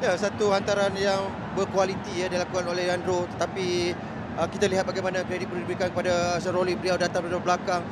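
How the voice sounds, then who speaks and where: A man giving match analysis over replays, measured and hesitant, with many fillers. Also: high voice, completely flat delivery. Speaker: co-commentator analyst. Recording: broadcast with loud background noise.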